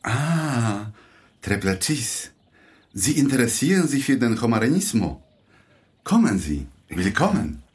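A man's voice: mid-range voice, big pitch swings, takes it slowly, husky, exaggerated voice. A man playing a mild, humble Jewish doctor and idealist in a radio play, speaking earnestly. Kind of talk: radio drama acting.

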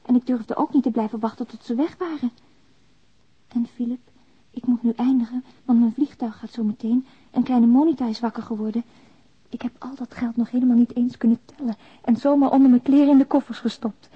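A woman's voice: on the high side, steady tone, fairly quick, breathy edge. An actress playing an anxious, naive young mother who confides a confession by letter in a radio drama, intimate and hesitant. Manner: intimate, confiding, hesitant, lapsing into near-whispers. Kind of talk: radio drama monologue, letter read in voice-over. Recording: dull, roomy radio drama recording.

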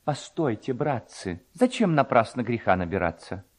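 Casting: male narrator as wary rustic clerk, superstitious, hesitant, wordy, lively intonation, storybook delivery. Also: medium pitch, moderate pace. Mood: cautious reasoning.

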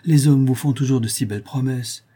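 Voicing a cheerful, chatty young seamstress from Paris in an audiobook, a man reads in a lively, affectionate, talkative way. His medium-pitched voice moves fairly quickly, with a breathy edge and a light touch of acting.

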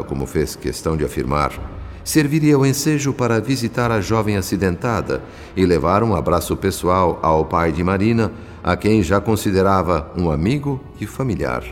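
A Brazilian man reading scripted, literary radio drama narration in a measured, formal and solemn storytelling manner. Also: deep voice. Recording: long reverb, music behind. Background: background music.

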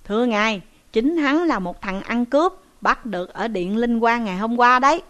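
A woman's voice: on the high side, animated, normal speed, fairly bright tone, muffled recording. A woman voicing a formal male constable. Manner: formal, polite.

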